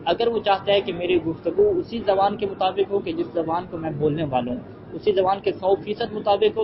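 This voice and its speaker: High-voiced male teacher in a noisy room. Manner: asks rhetorical questions and answers them, reads Arabic phrases slowly. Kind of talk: classroom lecture explaining an Arabic logic text. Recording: muffled with heavy background noise.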